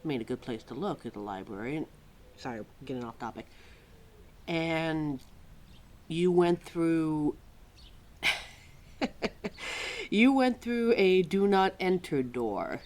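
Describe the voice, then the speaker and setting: A woman's voice: deep voice, animated, slow, pauses often, darkish tone. A woman playing a scatterbrained, centuries-old keeper of forgotten lore in a roleplay audio drama, flustered and hesitant as she talks to a listener. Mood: flustered, curious.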